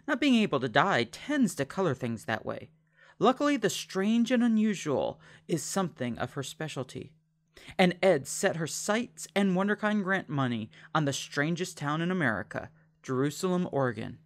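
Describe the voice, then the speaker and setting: A man's voice: high voice, sing-song, moderate pace, fairly bright tone. A man hosting a podcast, reading scripted promotional narration. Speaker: podcast host.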